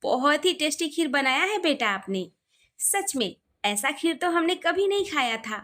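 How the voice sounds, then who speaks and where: A woman's voice: high voice, big pitch swings, moderate pace. A woman reading the part of a kindly middle-aged uncle who praises and jokes. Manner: warm, praising.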